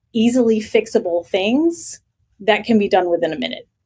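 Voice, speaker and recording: A woman with a slight New Jersey accent speaks in a dark, mellow tone at a moderate pace, with ordinary pitch variation. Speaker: video presence expert. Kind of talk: podcast interview. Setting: video call.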